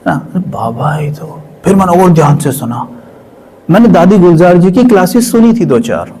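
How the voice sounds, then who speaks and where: A male spiritual speaker telling a personal testimony with emotion, sometimes dropping to a hush. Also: high voice, slight background noise, low-quality recording. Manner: emotional, drops to hushed tones for quoted voices.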